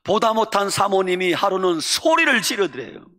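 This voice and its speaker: A male pastor preaching a sermon dramatically, swinging from shouting to near whispering. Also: high-pitched, very animated, normal speed. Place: church sanctuary. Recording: echoey church hall.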